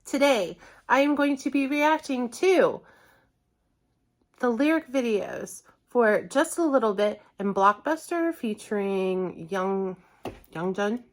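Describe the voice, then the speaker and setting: A woman's voice: on the high side, expressive, slow pace. A woman hosting a reaction channel, chatting casually to viewers in a rambling, self-correcting and somewhat apologetic way. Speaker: host of a music reaction channel.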